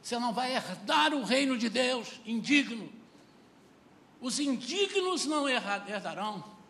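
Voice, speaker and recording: Male pastor with a very high voice, preaching hard and emphatically, heard with long church reverb. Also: big pitch swings, measured pace, gravelly. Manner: fervent, emphatic preaching, rising to shouts. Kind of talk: sermon. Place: church sanctuary.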